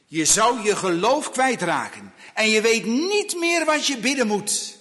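A man delivers a sermon in a fairly high voice that swings widely in pitch. He talks slowly and emphatically, repeating phrases and pausing dramatically. The long reverb of a church hall surrounds him. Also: sing-song, fairly bright tone. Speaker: preacher.

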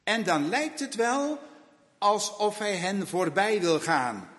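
A man delivers a sermon in a fairly high voice that swings widely in pitch. He talks slowly and emphatically, repeating phrases and pausing dramatically. The long reverb of a church hall surrounds him. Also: animated, fairly bright tone. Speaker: preacher.

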